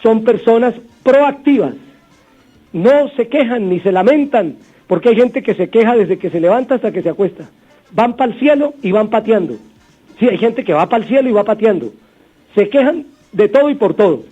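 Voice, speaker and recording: A Colombian man preaching positivity on a radio program, repeating his points and telling homely stories with a slightly strained voice. His pitch is high for a man and his tone mellow. The broadcast sounds dull, with faint music behind. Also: lively intonation, moderate pace, breathy edge. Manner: warm storytelling, repetitive exhortation. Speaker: radio host. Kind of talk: motivational radio sermon.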